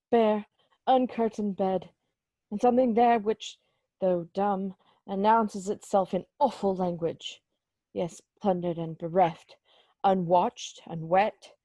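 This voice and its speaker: A frightened, remorseful old miser played by a woman speaks solemnly in an amateur story play. The voice is mellow and close, with a dry sound. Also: medium pitch, no echo, close to an everyday voice. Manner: solemn, theatrical. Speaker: library staff reader in a play. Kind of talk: amateur dramatised reading.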